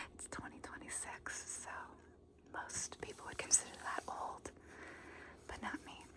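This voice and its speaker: Someone is whispering. The words come at a fairly slow pace. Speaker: ASMR creator. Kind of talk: casual talk to camera. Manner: whispered, soft-spoken; calm.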